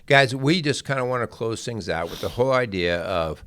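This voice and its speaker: A man's voice: mid-range voice, lively intonation, moderate pace, fairly bright tone, smooth, no echo. A middle-aged man hosting a radio talk show in a conversational, earnest and encouraging manner.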